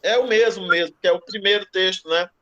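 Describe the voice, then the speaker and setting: A man teaching a class online, giving feedback with many restarts and slowing down to model pronunciation. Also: high-pitched, bright, forceful tone, highs cut off. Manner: hesitant, repeats words, slows to model pronunciation. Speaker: Greek teacher.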